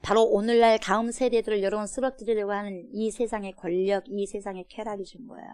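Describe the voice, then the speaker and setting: A woman pastor with a Jeolla accent, preaching a sermon to her church and firing questions at the congregation. She swings between loud exclamations and soft asides. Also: mid-range voice, level tone, a little fast, no room sound, studio quality. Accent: Korean, Jeolla. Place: church sanctuary.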